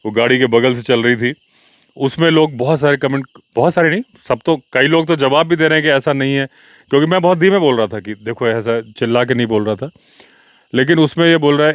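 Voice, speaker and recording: A man's voice: mid-range voice, no room sound. Man chatting on a dry mic. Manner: conversational, explaining and answering viewer comments in a mildly defensive tone. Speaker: wildlife podcast host. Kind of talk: casual solo podcast talk.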